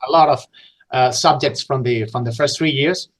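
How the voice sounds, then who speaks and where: A man's voice: mid-range voice, normal speed. A middle-aged man from Spain with a Spanish accent, a podcast guest talking unscripted and with enthusiasm, often restarting and repeating words. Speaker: podcast guest, localization trainer.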